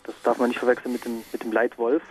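A man's voice: mid-range voice, completely flat delivery, breathy edge. A man with a Saxon accent calls in to a radio show. He answers at an easy pace with frequent hesitations. His voice comes over a phone line, with faint music in the background. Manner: unhurried, hesitant, with filler sounds. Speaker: radio caller.

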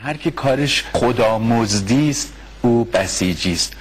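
Husky guy on the radio, earnest and poetic. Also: mid-range voice, lively intonation.

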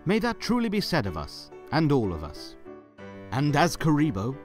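A man's voice: a little high, wildly swooping pitch, normal speed, over music. A man narrating a Christmas audio drama as a wry, theatrical storyteller. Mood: warm.

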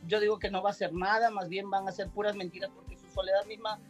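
A man's voice: high voice, little pitch movement, fast talker, faint music behind. Rambling psychic man on a video call. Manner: rambling, repeats words, says "directamente" often. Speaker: psychic guest.

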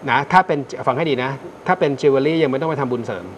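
A male astrologer hosts a live phone-in fortune-reading program, calming his callers and repeating the key things he says. He speaks very quickly at a medium pitch, and there's a slight background noise.

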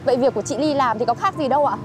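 Woman acting young girlfriend, Northern Vietnamese accent, TV drama, exasperated, reproachful, highish voice, music behind. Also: very fast, close to an everyday voice. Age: 20s. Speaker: actress in a TV drama. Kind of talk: screen drama dialogue.

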